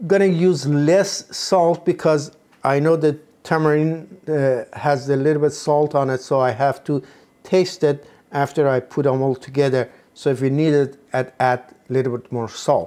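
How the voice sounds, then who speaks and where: A man talks at a moderate pace with fairly even intonation. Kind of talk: tutorial. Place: kitchen.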